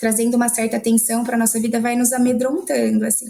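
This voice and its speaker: Fairly high in pitch, a woman speaks at a fairly quick pace with a dark, mellow tone. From Brazil, Marília (São Paulo state interior). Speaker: lawyer. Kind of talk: podcast interview. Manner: fast; energetic.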